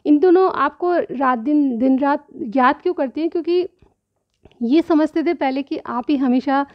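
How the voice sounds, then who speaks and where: A woman's voice: sits high, normal speed, lo-fi sound. A woman doing a tarot reading straight to her viewers in a chatty way, keeps checking in with "theek hai?", and her throat is a little sore. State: slightly sore throat, clears it often. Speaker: tarot reader.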